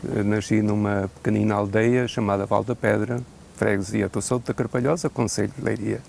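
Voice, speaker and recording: Man, European Portuguese accent, missionary priest, gravelly voice, measured and reflective, faint hiss behind. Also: fairly low pitch, fairly even intonation, darkish tone. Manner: measured, thoughtful, with hesitant fillers and a dry joke now and then. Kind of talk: unscripted interview answers.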